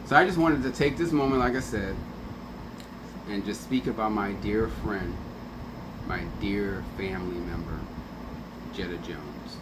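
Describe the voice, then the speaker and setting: A man with a lowish voice talks unhurriedly, with long pauses, over some background noise. As a radio host, he gives a casual, heartfelt tribute to a late friend, speaking with affection and often acting out quotes he remembers.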